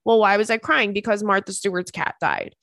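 Young woman podcast host, stuffy congested nose, jokey rambly chat, mid pitch, dry close sound. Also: brisk, vocal fry, a bit bright, no room sound. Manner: chatty, joking, self-deprecating. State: congested from crying. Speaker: podcast host and stand-up comedian. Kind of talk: casual solo podcast chat.

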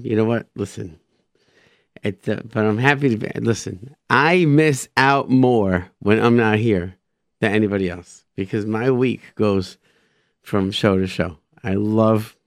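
A man's voice: mid-range voice, no room sound, studio quality. A man hosting a radio show, telling personal religious stories informally and emphatically, repeating phrases and sprinkling in Hebrew and Yiddish expressions.

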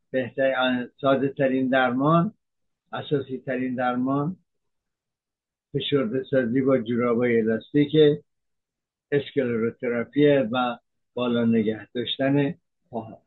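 A man, a physician from Iran, giving a measured health talk that explains medical terms, with frequent hesitations. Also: medium pitch, narrow, tinny audio.

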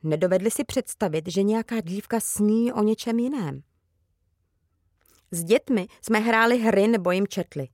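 A woman reads a children's story aloud with calm, even storytelling. Her pitch sits in a middle range. The recording is dry and close, with no room sound. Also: dry recording. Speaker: reader. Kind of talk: reading a children's book aloud.

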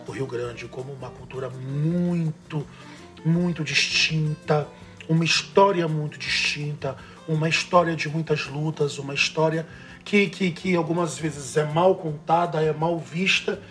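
A man's voice: fairly high pitch, steady tone, measured pace, fairly bright tone, faint music behind. Thoughtful man with a Northeastern Brazilian accent. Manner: thoughtful, enthusiastic, trails off searching for words. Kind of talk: casual chat.

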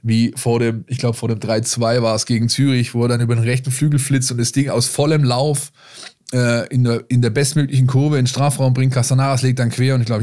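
A man's voice: mid-range voice, a little mellow. A man co-hosting a football podcast, explaining things in a casual, colloquial way. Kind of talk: casual football talk and analysis.

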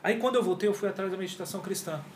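A man tells his story as a guest in a casual interview, and his speech is animated and full of slang. He talks quickly in a slightly raised voice. The recording has a roomy echo around him. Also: high voice, slight background noise. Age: 40s. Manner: animated and slangy, often says cara and pô. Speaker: yoga teacher and guest.

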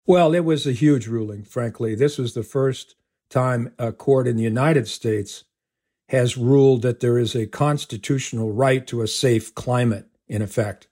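Older male legal expert, mid-pitched voice, deliberate, methodical answers. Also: a little mellow. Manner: deliberate, listing points, some restarts. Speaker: law professor guest. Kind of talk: interview answers.

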